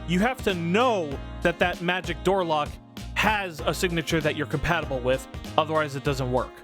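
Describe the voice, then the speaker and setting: A man's voice: high-pitched, a bit bright. A man giving a casual, scripted game review in an irreverent, informal, sweary way. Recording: music behind the voice. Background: background music.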